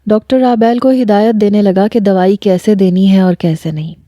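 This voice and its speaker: A woman storyteller reads a first-person tale in a calm, measured way. Her voice is dark and mellow, with a dry recording and no room sound. The pitch sits at a middle level for a woman. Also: dry recording, lo-fi sound.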